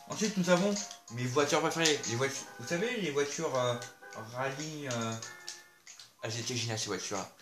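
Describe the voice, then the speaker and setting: A man casually showing off vehicles in a video game, chatty, with frequent fillers and asides to viewers. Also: mid-range voice. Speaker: gameplay video host. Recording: roomy sound with loud game music.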